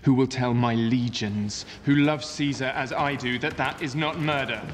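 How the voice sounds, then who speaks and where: An actor playing a cold, self-possessed young Roman consul, delivering formal, deliberate political oratory in a screen drama. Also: male voice, mid-range voice, close to an everyday voice. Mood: menacing, grave. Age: young adult. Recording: echoing hall, background noise.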